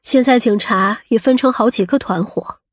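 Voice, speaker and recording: Playing a protective, plotting middle-aged mother in an audiobook drama, a woman sounds calculating and firm, with an emphatic, scolding, exclamatory edge at normal speed. Her high-ish, husky voice stays close to an everyday voice, captured dry with no room sound.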